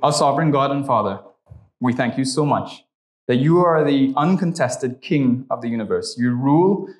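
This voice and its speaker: Leading a prayer and teaching a church class, a young man from Trinidad and Tobago talks in a conversational way, frequently tagging sentences with "right?" He has a Trinidadian accent and a medium-pitched voice.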